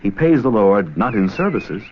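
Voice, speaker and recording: A man's voice: fairly low pitch, big pitch swings, moderate pace. A man reading scripted educational documentary narration on an old film soundtrack. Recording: muffled, faintly noisy old 16mm film soundtrack.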